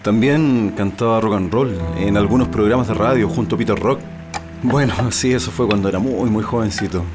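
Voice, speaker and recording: A man's voice: fairly low pitch, fairly quick, natural voice. Tío Jorge, a man playing a returned exile uncle. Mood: warm. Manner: earnest, heartfelt delivery. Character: older uncle returned from long exile abroad. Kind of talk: radio drama acting. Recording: music playing under the voice. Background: music.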